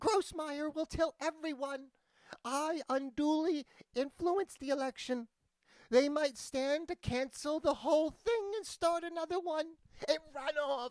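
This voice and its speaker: Man in a put-on character voice, extremely high in pitch, at a fairly slow pace. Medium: read story.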